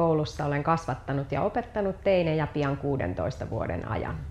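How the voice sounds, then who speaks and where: At a moderate pace, the voice carries lively intonation with vocal fry. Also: woman. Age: 40s. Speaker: teacher and candidate. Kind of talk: campaign video speech. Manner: formal.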